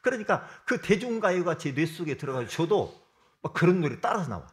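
A man's voice: fairly high pitch, very animated, a little fast. A man preaching a sermon as pastor, emphatic, often throwing rhetorical questions at the congregation.

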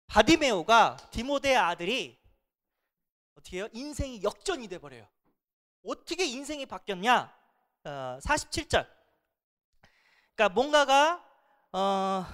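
A pastor delivers a sermon with a lively pitch that climbs and drops freely. The delivery is emphatic, alternating between loud emphasis and hushed asides. Rhetorical questions are put to the congregation again and again.

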